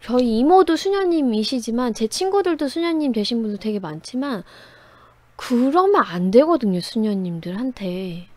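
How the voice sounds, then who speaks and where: A woman teaching a writing class, telling personal stories in a lively, conversational way, often laughing as she goes. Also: fairly high pitch, moderate pace, no echo. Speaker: writing instructor.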